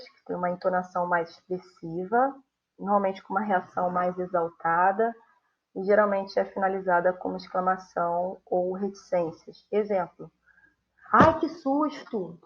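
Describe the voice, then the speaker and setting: A woman's voice: on the low side, breathy edge. A young adult woman with a Brazilian Portuguese accent, teaching a recorded grammar lesson and voicing example sentences with strong intonation. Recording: dull lo-fi sound.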